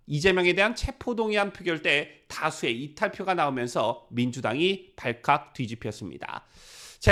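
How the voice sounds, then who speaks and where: Lively high-voiced Korean news commentator. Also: male voice. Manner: lively, rhetorical questions to viewers.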